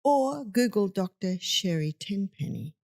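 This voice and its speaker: A woman's voice: medium pitch, sing-song, measured pace, vocal fry, a little mellow. An older woman speaking as a guest in a conversational interview, emphatic and storytelling, acting out quotes. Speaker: health speaker.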